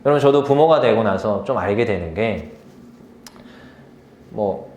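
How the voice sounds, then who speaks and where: A man in his thirties preaches in a relaxed, conversational way and slips into the voices of the people in his stories. His pitch moves a lot, rising and falling as he talks. The room around him is roomy and echoing. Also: a little slow, muffled recording. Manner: animated storytelling, acts out quoted voices. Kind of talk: casual conversational sermon. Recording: echoey room.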